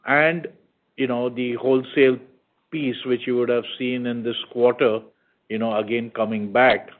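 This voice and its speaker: A man with an Indian accent giving measured corporate commentary on an earnings call, often saying "you know". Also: mid-range voice, flat delivery. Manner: measured corporate speech with frequent 'you know'. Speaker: bank executive. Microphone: conference call line. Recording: narrow tinny phone line.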